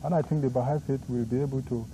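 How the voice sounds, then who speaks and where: A man from Nigeria with a Nigerian accent, Isoko his first language, speaking as a guest in earnest, halting conversation. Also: mid-range voice, fairly even intonation. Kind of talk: casual conversation. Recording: 1980s cable TV studio tape, faint noise.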